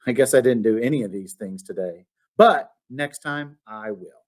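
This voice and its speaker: A man's voice: medium pitch, normal speed, natural voice. A man voicing a sulky, dramatic schoolboy in a storybook, whining and complaining. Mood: reluctant. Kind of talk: storybook read-aloud.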